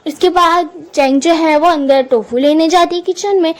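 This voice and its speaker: High-voiced woman recapping a drama. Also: moderate pace, rough recording. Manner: retells scenes, quoting characters briefly; mixes English words into speech.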